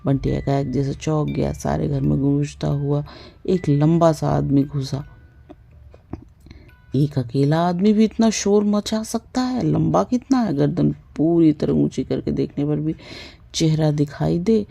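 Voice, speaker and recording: A woman narrating a novel as an audiobook in an expressive, measured storytelling manner. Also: low voice, creaky, breathy edge.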